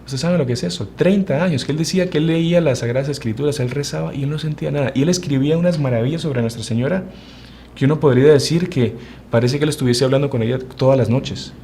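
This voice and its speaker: A man's voice: fairly high pitch, mellow, slight background noise. A man with a Uruguayan Spanish accent, a religious brother giving an earnest spiritual formation talk. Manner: earnest, preaching, speeds up and slows for emphasis.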